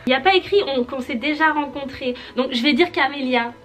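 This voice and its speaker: A woman youtuber gushing excitedly while she unwraps her gifts. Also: high voice, a little fast, over music. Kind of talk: casual vlog unboxing.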